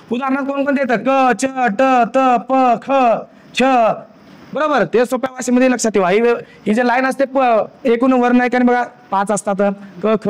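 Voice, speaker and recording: A man with a Marathi accent teaching a grammar lesson, asking the class questions and answering them himself, and spelling out sounds one at a time. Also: very high-pitched.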